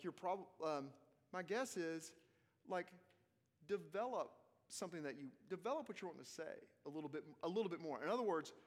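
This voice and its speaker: A man with a Southern US accent answering questions in a casual, halting teaching style, rephrasing as he goes. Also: sits high. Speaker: preaching teacher leading a question session. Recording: long reverb of a large hall.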